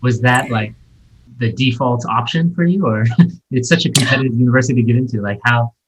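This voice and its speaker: A man's voice: mid-range voice, fairly quick, background noise. A man hosting a podcast interview, introducing a guest and asking questions in an enthusiastic, chatty way with fillers. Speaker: podcast host.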